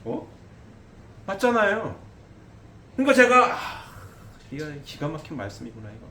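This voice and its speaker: A middle-aged man delivers a sermon with a fairly high, animated voice, pressing his points and asking the listeners questions. He sounds like he is in a reverberant hall with a faint background hum. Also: normal speed. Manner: emphatic, asks the congregation questions, frequent "eh?" tags. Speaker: preacher. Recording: echoey hall with faint ambience.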